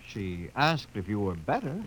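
An actor playing a friendly brother at home in a 1950s radio drama. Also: male voice, on the low side, sing-song, normal speed, fairly bright tone, rough recording. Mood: eager, friendly.

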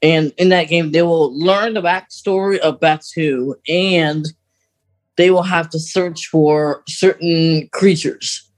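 Man, fairly high voice, podcast co-host, informal, rambling, casual fandom chat. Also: steady tone, slow pace.

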